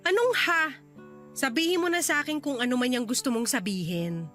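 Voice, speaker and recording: A woman's voice: high voice, a little fast, fairly bright tone, soft background music. A woman playing a young wife in a radio drama, heated and scolding. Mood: angry. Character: angry young wife, sharp and confrontational.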